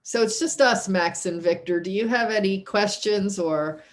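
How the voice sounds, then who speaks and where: A woman with a mid-range voice speaks at a moderate pace, wrapping up an online class over a video call through her computer mic. She's chatty and apologetic as she casually closes things out, laughing often.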